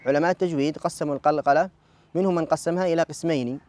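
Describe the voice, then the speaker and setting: A man's voice: a little high, steady tone, racing, a little mellow. A man, a recitation judge patiently quizzing a contestant on the rules of Quran recitation and repeating words for emphasis.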